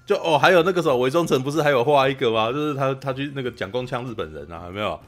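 A man with a Taiwanese accent rattles along quickly in casual podcast banter. His mid-range voice is blunt and jokey, with loose, sweary phrasing. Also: medium pitch, lively intonation, faint music behind. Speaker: film podcast co-host. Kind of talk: casual chat.

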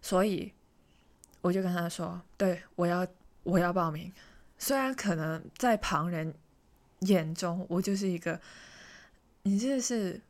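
A young woman from Hong Kong casually telling a personal story, chatty and self-mocking, often dropping into hushed asides. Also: lowish voice. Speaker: vlogger.

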